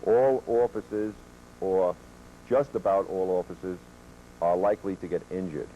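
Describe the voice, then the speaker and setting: A man who is a police officer giving a training lecture, presenting statistics in a measured way with occasional fillers, heard from a worn VHS tape copy. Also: low-pitched, fairly even intonation, dark tone, dull audio. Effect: worn VHS tape copy with hum.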